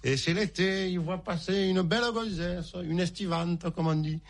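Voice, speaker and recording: A man with a high voice telling a joke quietly. He stretches out some of his words as he speaks. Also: moderate pace, vocal fry. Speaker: joke teller. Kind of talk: telling jokes aloud.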